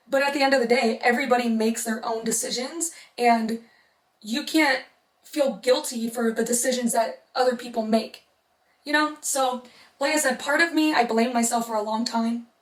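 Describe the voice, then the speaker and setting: A woman's voice: on the high side, echoey room, far from the mic. A young woman vlogger who is losing her voice, talking earnestly to her viewers and repeating points for emphasis. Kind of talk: casual motivational talk to camera.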